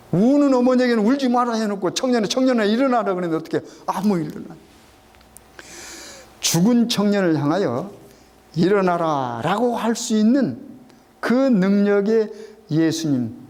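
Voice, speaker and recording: A middle-aged man preaching a sermon as a pastor, asking the congregation questions and answering them himself, and repeating key phrases slowly. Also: high-pitched, a little mellow.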